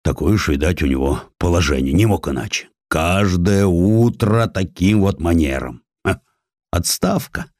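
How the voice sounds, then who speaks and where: A man's voice: low voice, expressive, unhurried, darkish tone, dry recording, studio quality. A man voicing an old village coachman who tells a tale in homely, wondering, rustic phrases for an audiobook. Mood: folksy wonder. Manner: colloquial rustic storytelling in short homely phrases. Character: old village coachman, folksy, wondering, plain-spoken male storyteller.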